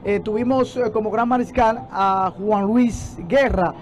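A man's voice: high-pitched, fairly even intonation, a little slow. A man in his forties reporting live from a city street on a handheld mic, talking hesitantly with many fillers. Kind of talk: live event commentary. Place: outdoors on a city street by barricades.

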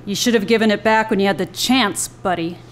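A woman's voice: mid-range voice, fairly quick, close to an everyday voice. A woman playing a cool, mysterious and menacing young beatnik woman in a live noir audio play, speaking tersely and cryptically. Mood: coolly menacing. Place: live on stage in a club.

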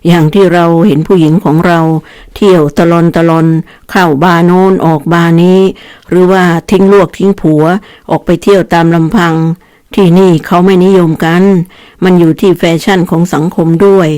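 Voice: medium pitch, fairly even intonation, normal speed, a little mellow, clean tone, no echo, close to an everyday voice. Narrator doing old prof guy, teasing, drags his words, clean dry sound. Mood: lecturing. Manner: drawling, teasing, lecturing. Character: older male professor, genial and opinionated.

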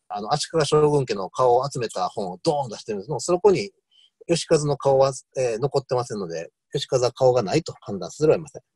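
Animated man giving a history lecture. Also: mid-range voice, no room sound. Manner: rambling, many fillers, lively asides.

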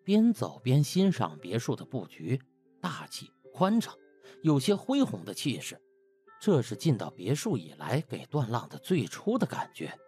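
A man's voice: mid-range voice, huge pitch swings, unhurried, warm tone. A man narrating a comic audiobook in a colloquial, theatrical storytelling manner. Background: music.

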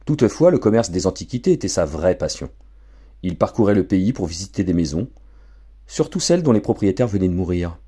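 A man narrating a storybook for an audiobook in an expressive, theatrical way. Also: low-pitched, brisk, husky. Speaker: audiobook reader.

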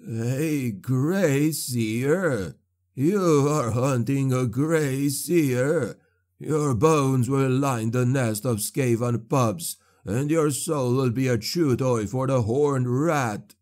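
A man voicing a broken old male sorcerer, locked in a cage, speaking slowly with a wheezing sneer. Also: mid-range voice, a little mellow. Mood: mocking. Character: broken old male sorcerer, caged, mocking then fawning.

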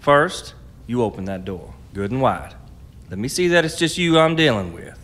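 Radio play supporting role: male actor as a wary frontier merchant, curt, commanding, medium pitch. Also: big pitch swings, normal speed, fairly bright tone. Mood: wary, stern. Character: stern, wary frontier storekeeper. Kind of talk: radio drama acting.

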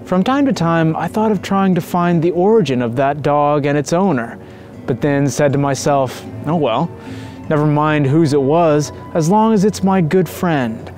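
A man's voice: on the high side, normal speed, a little mellow, faint music behind, lightly acted. A man voicing a kindly, trusting priest who talks cheerfully in a spoken storybook.

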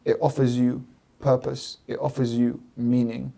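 A mellow, gravelly-voiced man from London speaks at medium pitch with a level tone, a little slowly. As a guest religious scholar on a podcast, he gives an earnest, emphatic explanation, repeating phrases in lists. He sits in a small studio set with plants, talking into a desk mic on a stand.

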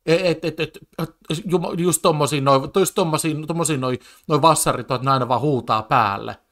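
A man's voice: on the high side, a bit bright. A man commenting on a TV debate in casual speech, agitated and full of stammered restarts and fillers. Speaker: commentator reacting to a TV debate clip.

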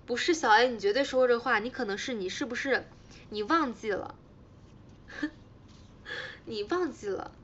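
With a fairly high voice and long pauses at a moderate pace, a young woman from China hosts an idol livestream, teasing fans and repeating lines. The highs are cut off and there's slight background noise.

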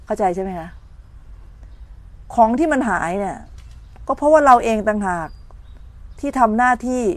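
Recorded dry, this middle-aged woman has a slightly high voice. As a meditation teacher giving a morning dharma talk, she tells stories, acts out complaints, and checks that everyone understands.

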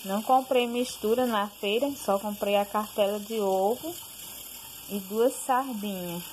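A woman speaks slowly and plainly, counting off her groceries one by one in a casual home vlog. Her voice sits at an ordinary pitch. A noisy kitchen, with a pressure cooker hissing, is heard behind her. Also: a little mellow. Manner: slow, plain listing with fillers. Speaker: home cooking and grocery vlogger. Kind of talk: casual voice-over listing groceries.

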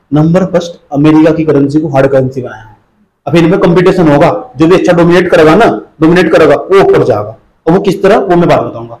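High-voiced man drilling students in an echoey room. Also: darkish tone. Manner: repetitive drilling, asks students questions; scolds students. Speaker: teacher. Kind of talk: exam-prep lecture.

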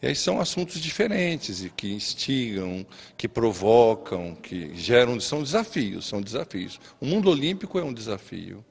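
A man's voice: mid-range voice, sing-song, moderate pace, creaky, hardly any pauses, husky. A man in his fifties with a Brazilian accent, a teacher answering interview questions with emphatic repetition. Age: 50s. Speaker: maths teacher. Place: classroom. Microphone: handheld interview microphone. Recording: long classroom reverb.

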